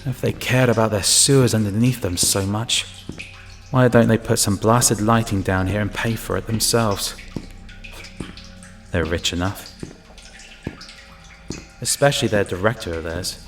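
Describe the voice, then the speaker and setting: Man acting a low-voiced, grumbling lone inspector. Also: unhurried, pauses often, music in the background. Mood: irritated. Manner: muttering to himself, exasperated. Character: grumbling, wary male inspector alone in sewers. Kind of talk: first-person audio drama narration and acting.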